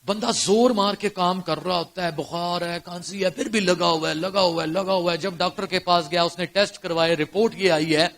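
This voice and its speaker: His high voice is bright and forceful as this Pakistani-accented pastor delivers a sermon before his congregation at a church service. Rhetorical questions come thick and fast, and he alternates soft storytelling with loud, ringing cries.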